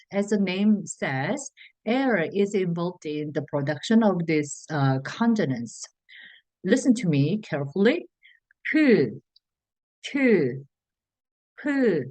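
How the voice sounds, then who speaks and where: A woman with a Korean accent, a native Korean speaker, teaching a language lesson slowly, pausing on fillers and restarting her sentences. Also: lowish voice, a little mellow, dry recording. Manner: hesitant, many "uh" fillers and restarts. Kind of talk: slow explanatory lesson for learners.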